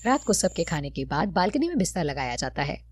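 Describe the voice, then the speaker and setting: A woman narrating a family story for a cartoon in a steady storytelling manner. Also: low voice, brisk.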